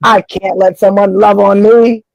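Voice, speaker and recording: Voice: medium pitch, little pitch movement, measured pace, vocal fry, darkish tone, no room sound. A co-host in casual chat, teasing the other host and laughing often. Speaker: podcast co-host.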